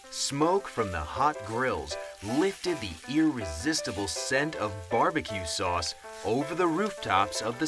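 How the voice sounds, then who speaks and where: Man, children's audiobook narrator, theatrical, slow deliberate pace, highly animated pitch, suspenseful, light music behind. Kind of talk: dramatic children's storybook narration.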